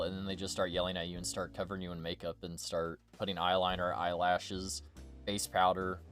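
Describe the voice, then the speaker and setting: A young man chatting casually as a streamer, rambling and joking with plenty of swearing. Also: sits low. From United States. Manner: rambling, jokey, profane. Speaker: VTuber streamer.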